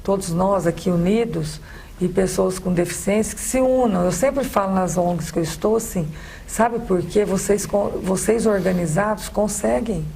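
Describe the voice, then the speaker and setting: A woman's voice: mid-range voice, normal speed, vocal fry, warm tone, slight background noise. A woman with a Brazilian accent, a city councillor giving emphatic closing remarks, peppering her speech with "né". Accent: Brazilian Portuguese. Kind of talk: panel debate closing remarks.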